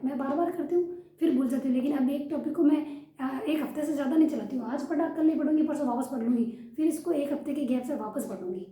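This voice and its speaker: A woman's voice: high-pitched, mellow, roomy sound. A young woman chatting frankly in a casual home vlog about her studying habits. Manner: chatty, frank, uses yaar often. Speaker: vlogger studying for a teaching exam. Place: room at home.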